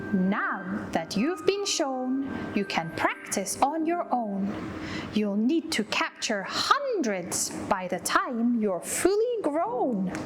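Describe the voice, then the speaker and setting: Over loud background noise, a woman speaks very slowly in a high-pitched put-on character voice. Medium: read story.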